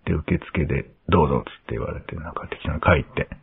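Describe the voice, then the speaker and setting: A man hosting a podcast, chatting casually and telling a story in an animated way, acting out the lines of the people in it. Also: a bass voice, quick pace, creaky, husky. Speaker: podcast host. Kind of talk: casual chat. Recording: dull lo-fi sound.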